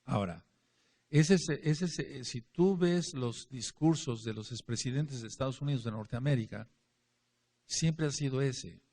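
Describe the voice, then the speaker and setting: A man's voice: medium pitch, measured pace. A man preaching a sermon and reading scripture aloud, emphatic, with his voice rising and falling. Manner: emphatic preaching, asks for amens, swings between loud and quiet.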